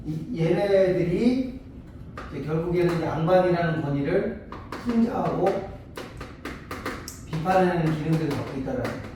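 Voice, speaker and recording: A man's voice: on the high side, expressive, moderate pace, pauses often. Male tutor lecturing in an echoey classroom. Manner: asks students frequent check-in questions; acts out short dialogues to explain. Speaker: Korean literature tutor. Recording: echoey room, mic far off, faint noise.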